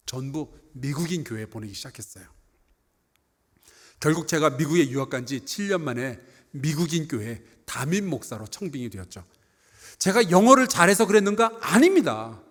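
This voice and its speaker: A man's voice: on the high side, in a large hall. A middle-aged male pastor preaching a sermon in a church, earnest, with rhetorical questions and repeated phrases. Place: church sanctuary.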